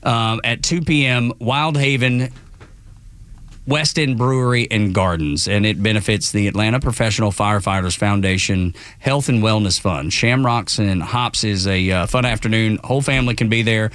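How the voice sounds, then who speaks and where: A man's voice: on the low side, moderate pace, a bit bright, clean tone, no room sound. A man from Georgia co-hosting a morning radio show, laughing often and reacting with upbeat banter. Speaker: radio co-host. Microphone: studio microphone.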